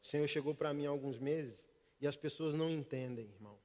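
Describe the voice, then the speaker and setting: A middle-aged preacher delivers a sermon, moving from hushed passages to loud bursts. His voice sits a little high for a man. It rings out with the long reverb of a church hall. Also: quick pace. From Northeast Brazil. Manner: storytelling, swings from hushed to loud. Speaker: pastor. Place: church service.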